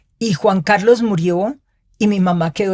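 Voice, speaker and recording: At a fairly slow pace, a woman speaks in a dark, mellow tone with fairly even intonation, in a very clean recording with a silent background. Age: 70s. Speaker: writer and sister of a late author. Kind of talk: interview. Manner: halting.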